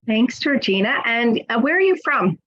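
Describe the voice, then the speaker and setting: A middle-aged woman, a nursing school director, moderating a webinar panel with a warm, encouraging way of asking questions. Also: fairly high pitch, very animated, normal speed. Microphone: video call. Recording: slightly dull video-call audio.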